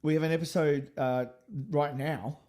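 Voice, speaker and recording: A man's voice: on the high side, steady tone, normal speed, a little mellow. A man co-hosting a comedy podcast, rambling and hesitant with frequent ums, on a studio microphone. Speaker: podcast co-host. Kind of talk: casual comedy chat.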